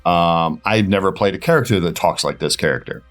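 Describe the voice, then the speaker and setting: A man talking casually as an interview guest, thinking aloud in short, halting phrases. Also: sits low, a bit bright. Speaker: voice actor and director, interview guest. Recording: music behind the voice. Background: background music.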